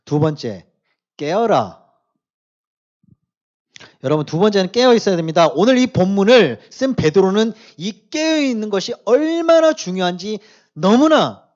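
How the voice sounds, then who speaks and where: A man preaching to a church youth group, shifting between quiet asides and loud emphatic exhortation, often asking his listeners questions. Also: fairly high pitch, muffled recording. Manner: casual, speaks directly to the youth with questions. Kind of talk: sermon to teenagers.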